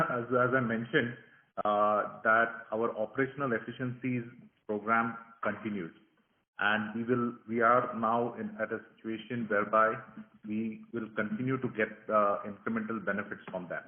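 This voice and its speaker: A man speaking as a company executive, answering questions on an earnings call, halting and repeating words as he goes. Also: lowish voice, fairly even intonation. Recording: echoey, tinny phone conference line.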